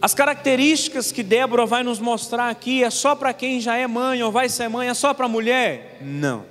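His very high-pitched voice has a fairly bright tone and a moderate pace, with a little hiss or hum in the audio. A twenty-something pastor from Paraná, Brazil, he preaches in a sanctuary with long church reverb and faint room ambience, using stories and rhetorical questions to engage the congregation.

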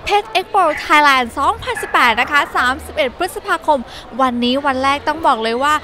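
A woman's voice: sits high, animated, normal speed, pushed and bright. A young woman reporting bubbly and upbeat from a busy indoor expo hall into a handheld mic. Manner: upbeat, bubbly presenter chatter. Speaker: entertainment show reporter. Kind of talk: on-location event report.

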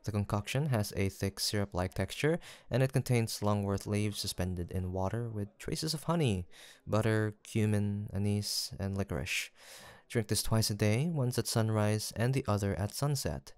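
A man playing a gentle, kindly young village apothecary in a soft roleplay audio drama, speaking politely and formally with attentive reassurance. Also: fairly low pitch, expressive, normal speed, few pauses, smooth, no echo, close to an everyday voice. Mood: caring, courteous.

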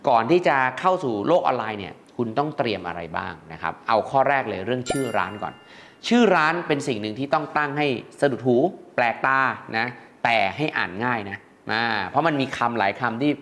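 A middle-aged male host speaks at a medium pitch with a fairly bright tone. He gives an educational talk to viewers, chatting as he explains things step by step and point by point, using polite particles like a conversational instructor.

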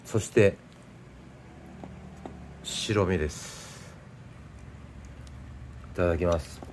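Low-voiced man with a Nagasaki accent. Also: extremely slow, a little mellow, slight background noise. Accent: Nagasaki dialect. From Nagasaki, Japan. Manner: easygoing, chatty, explains local words. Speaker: home food vlogger. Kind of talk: casual chat while eating and drinking.

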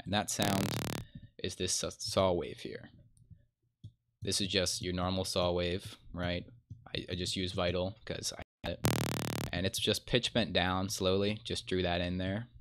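A man's voice: low-pitched, flat delivery, a little slow, no room sound. A man in his twenties giving a casual, laid-back music production tutorial in an informal, colloquial way. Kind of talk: casual screen-share tutorial. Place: indoor room at a computer desk. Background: loud electronic synth sounds.

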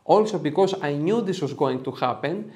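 A man's voice: fairly high pitch, expressive, moderate pace, a little mellow. A man in his thirties with a Greek accent, teaching a photo editing tutorial in a chatty, upbeat way from a small home studio. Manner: upbeat and chatty, jokes about himself. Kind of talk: software tutorial with casual asides. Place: small home studio room with red lighting.

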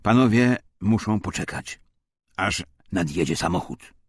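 A man's voice: low-pitched, lively intonation, unhurried, slightly rough, no room sound, studio quality, heavily acted. A man voicing curt German officers and guards who give orders in an official, commanding way, in a war audiobook.

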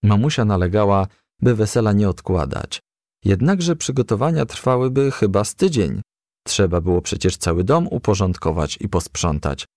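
A man narrating a children's storybook in an expressive, scripted reading style. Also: fairly low pitch, moderate pace, no room sound, clean studio sound. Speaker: audiobook narrator.

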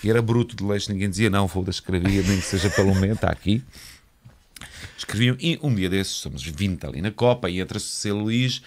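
A man's voice: lowish voice, fairly quick, darkish tone. A man in his forties who grew up in Eastern Europe, talking casually and bluntly as a podcast guest, swearing freely in a studio on a headset mic. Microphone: studio mic with headphones.

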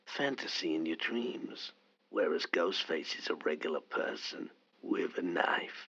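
A gravelly, very low caller's voice, a masked killer who teases and menaces. It comes through a dull, muffled line, rough and rasping. Audio play. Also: male voice, animated, unhurried, fairly bright tone, full character voice. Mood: menacing teasing.

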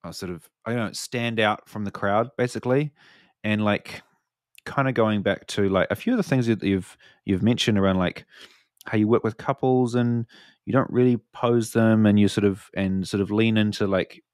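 A male podcast host with a fairly low voice, easygoing and rambling, full of ums and restarts as he circles a question. The sound is close and dry. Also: moderate pace, no echo. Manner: rambling, hesitant, relaxed. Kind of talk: casual podcast chat.

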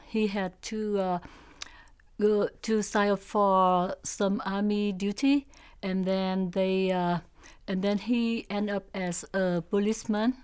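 Slow, clear Vietnamese-accented woman in her sixties. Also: medium pitch, a little mellow. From South Vietnam. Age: 60s. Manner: halting, searching for words in imperfect English. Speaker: oral history interviewee. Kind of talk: recalling family history in an interview. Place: indoor studio with backdrop.

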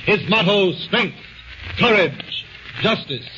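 A man's voice: high voice, animated, takes it slowly, pushed and bright, a little hiss or hum. An American man as announcer, reading 1940s promotional narration in a declamatory, emphatic way. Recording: muffled 1940s radio recording. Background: music.

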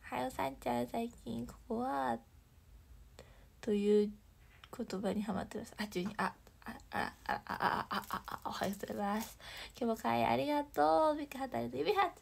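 A young woman chats bubbly and warmly through her livestream, reading out comments and thanking viewers. Her voice sits a little high with a gravelly, husky texture. She drops now and then into soft, whispery asides. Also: fairly quick. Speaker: idol livestreamer.

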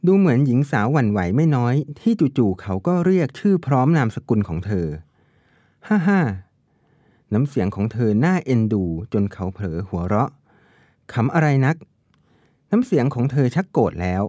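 A male narrator reading a novel aloud, his delivery rising and falling expressively. His tone is dark and mellow, and the recording is close and dry with no room sound. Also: medium pitch, sing-song, quick pace, few pauses, no room sound.

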